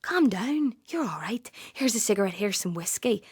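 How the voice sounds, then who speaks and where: A woman's voice: mid-range voice, animated, normal speed, slightly rough, no room sound, clean studio sound. A woman performing a dramatic monologue as a traumatised, streetwise young woman, raw, colloquial and defiant. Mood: raw, urgent. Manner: raw, colloquial, mimics her attacker.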